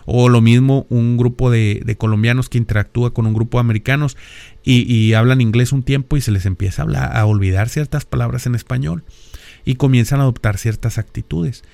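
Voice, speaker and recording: A man's voice: medium pitch, a little fast, vocal fry, darkish tone, no echo. Mexican man explaining with rhetorical questions. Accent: Mexican (northern, Monterrey). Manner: lecturing, peppered with rhetorical questions and tag "¿verdad?". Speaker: podcast host. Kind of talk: explanatory podcast monologue.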